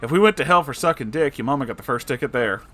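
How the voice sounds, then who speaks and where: A man's voice: medium pitch, lively intonation, very fast, a bit bright, natural voice. A man voicing a blunt, sassy, foul-mouthed old grandmother from an internet story.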